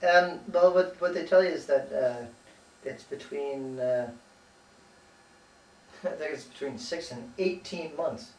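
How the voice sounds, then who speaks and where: His voice sits on the high side, and he takes his time. He's an American from the United States being interviewed, talking loosely about his life in a hesitant, rambling way, frequently trailing off and cursing casually, captured on a distant mic with roomy echo and faint noise.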